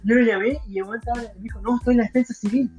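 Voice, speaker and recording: A young Chilean man telling a story to friends at a quick clip. He acts out the voices of the people in it and drops slang constantly. Faint music plays behind him. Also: very high voice, dull audio. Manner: animated, acts out quoted voices, heavy slang. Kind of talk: casual chat.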